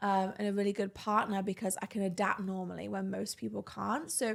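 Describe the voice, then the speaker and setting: With a British accent, a woman speaks at a medium pitch with ordinary pitch variation. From UK. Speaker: digital marketing entrepreneur. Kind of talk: podcast interview. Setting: makeup studio. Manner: fast.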